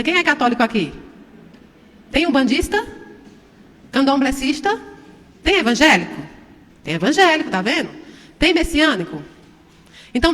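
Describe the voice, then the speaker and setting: A middle-aged woman from Brazil giving an informal spiritist talk to an audience in a large hall, chatty, putting questions to the listeners. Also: high voice. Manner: chatty, asks the audience questions, acts out shouts. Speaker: spiritist lecturer.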